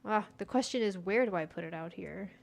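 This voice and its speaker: A young American woman streams a game, chatting away and talking to herself as she plays while answering viewers in casual gameplay talk. Her medium-pitched voice is gravelly and fairly quick, and Persian is her first language.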